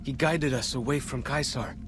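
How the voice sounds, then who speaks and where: A man's voice: mid-range voice, moderate pace, music in the background, natural voice. A man voicing an easygoing young tribal scout. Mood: earnest. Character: young male tribal scout, plainspoken and wry. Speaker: game character. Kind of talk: video game dialogue.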